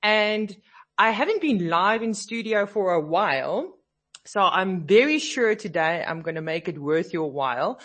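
A woman's voice: medium pitch, expressive, unhurried, fairly bright tone. Chatty woman radio host. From South Africa. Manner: chatty, sleepy, laughs easily. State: slightly scratchy voice from a cold. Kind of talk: casual radio chat. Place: radio studio.

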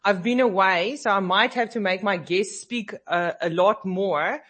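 A South African woman chats on her radio show in the studio, unhurried, with a mid-range voice and fairly bright tone. Her cold makes her slightly scratchy, and she comes across sleepy, talkative and ready to laugh.

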